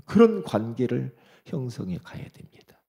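A middle-aged male pastor preaching a sermon, swinging between soft asides and loud exhortation. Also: medium pitch, big pitch swings, moderate pace, gravelly.

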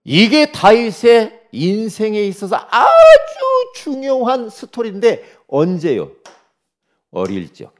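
A man preaching a sermon, retelling a story with animated delivery and acting out the characters' dialogue. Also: high voice, slow pace. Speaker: pastor.

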